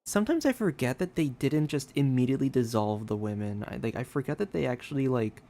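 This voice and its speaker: A man's voice: medium pitch, expressive, a little fast, dark tone. A man streaming a game, reading its story text aloud and adding casual commentary.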